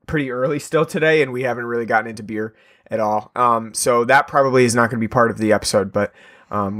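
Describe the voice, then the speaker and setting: A man's voice: mid-range voice, a bit bright. A man co-hosting a casual horror film podcast, talking loosely with many ums and restarts. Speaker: podcast co-host.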